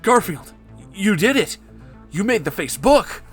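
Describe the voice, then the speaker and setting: A man's voice: medium pitch, lively intonation, normal speed, faint music behind, lightly acted. A man voicing an eager, scheming young male tech founder in a raised, melodramatic tone. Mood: excited.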